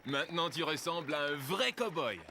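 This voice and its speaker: A man's voice: on the high side, lively intonation, moderate pace. A man voicing a friendly, encouraging cowboy ranch hand in a children's cartoon. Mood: upbeat. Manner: encouraging, explanatory. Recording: music behind the voice.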